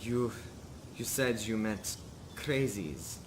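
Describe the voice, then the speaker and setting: A man voicing a grave, distressed female death knight in a tabletop game, speaking haltingly and solemnly. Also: fairly low pitch, expressive, background noise. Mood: uneasy.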